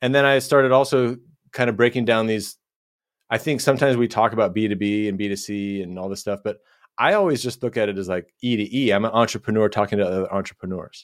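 The recording is very clean, with a silent background. A man with a fairly low pitch and ordinary pitch variation talks at a very fast pace. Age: 40s. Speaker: marketing entrepreneur. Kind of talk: casual interview. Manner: fast talker.

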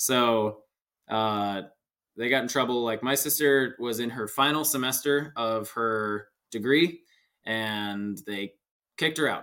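Bright and sharp in tone, a man speaks at medium pitch and a fairly slow pace with ordinary pitch variation. The recording is very clean with a silent background. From Florida, US. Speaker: podcast guest, competition show contestant. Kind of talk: casual chat.

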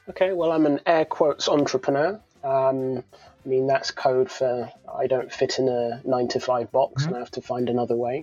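Recorded with a dry, close sound and no echo but noticeable background noise, a man speaks at a moderate pace and medium pitch with ordinary pitch variation. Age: 30s. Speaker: entrepreneur and consultant. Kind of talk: interview. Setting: remote call.

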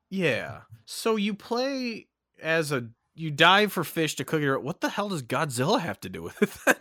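A man speaks at a moderate pace with a high pitch and very wide pitch swings, his tone bright and sharp. The recording is very clean with a silent background, and the sound is dry and close with no echo. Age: 30s. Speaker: podcast co-host. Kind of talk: casual chat.

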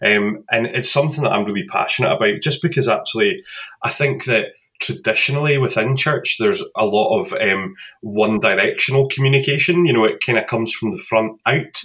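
Fairly quick speech in a Glaswegian accent. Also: man. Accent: Scottish, Glaswegian. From Glasgow, Scotland. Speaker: ministry director, former bouncer. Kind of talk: casual interview, testimony.

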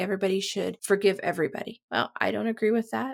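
Here a woman talks at a fairly quick pace. She has a plain, everyday voice at medium pitch. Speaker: podcast host and parent. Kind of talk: casual chat. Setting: remote call.

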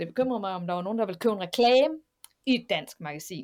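Talking at a very fast pace, a woman delivers her words with lively intonation. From Denmark, Silkeborg (Jutland). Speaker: travel guide and writer. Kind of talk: interview.

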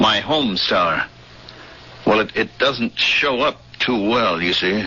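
A man puts on a character voice with a bright, sharp tone and fairly low pitch. He speaks at a slow pace with lively intonation over faint background noise.

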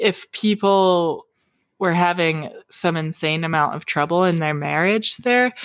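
With a normal speaking voice, a woman of fairly low pitch speaks at a fairly slow pace with ordinary pitch variation on a very clean recording with a silent background. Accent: American. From upstate New York and England. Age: 30s. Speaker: former commune member, podcaster. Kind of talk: interview.

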